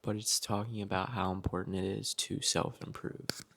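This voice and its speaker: A man's voice: low-pitched, flat delivery, moderate pace, gravelly, a bit bright. A young man talking casually to the camera at home in a vlog, reflective and self-motivating. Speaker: vlogger. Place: at home, indoors.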